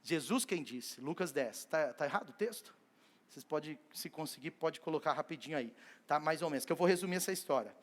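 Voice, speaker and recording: A man preaching a sermon at a church service, telling Bible stories in a lively way and acting out the characters. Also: a little high, a little fast. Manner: animated storytelling that acts out biblical scenes. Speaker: pastor.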